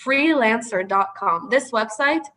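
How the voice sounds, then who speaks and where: A woman answering a question in an online training session, chatty and earnest, with a dry throat she keeps clearing. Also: a little high, lively intonation, unhurried, bright, forceful tone, low-quality recording. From Palestinian. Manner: chatty and earnest, frequent "you know" and "like". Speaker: media trainer.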